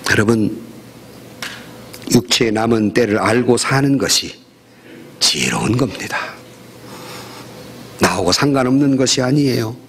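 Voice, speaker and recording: A man's voice: unhurried, pauses often, slight background noise. A middle-aged male pastor preaching a sermon, telling stories and acting out the quoted voices. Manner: storytelling with quoted voices, lively pitch.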